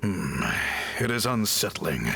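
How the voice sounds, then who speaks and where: A man voicing a thoughtful, courteous tribal chief in a video game, speaking formally and in measured phrases. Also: on the low side, big pitch swings, pushed and bright, a little hiss or hum, exaggerated voice. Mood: troubled. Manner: measured, formal, hesitant chuckling politeness. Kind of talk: video game character voice acting.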